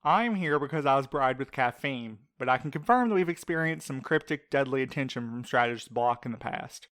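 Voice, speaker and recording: A man's voice: medium pitch, animated, fairly quick, a bit bright, no echo, lightly acted. Snarky young male sidekick, acted by a man. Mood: sardonic. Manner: dry, sarcastic, casual. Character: Milo, snarky, wisecracking, caffeine-bribed young male sidekick. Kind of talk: audio drama dialogue.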